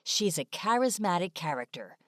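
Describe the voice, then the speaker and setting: Casting: female explainer narrator, slightly deep, scripted informational read, dry studio voice-over. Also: very animated, moderate pace, fairly bright tone, no echo.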